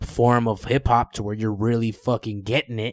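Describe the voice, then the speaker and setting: Recorded dry and close with no echo, a man with an American accent speaks at a medium pitch in a flat monotone. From Los Angeles area, California. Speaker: battle rap league organizer. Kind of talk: casual chat.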